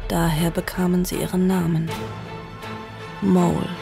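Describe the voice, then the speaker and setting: A woman playing a young narrator who recalls a horror in measured first-person storytelling for an audio drama. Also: fairly low pitch, level tone, creaky. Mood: grave. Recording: music behind the narration.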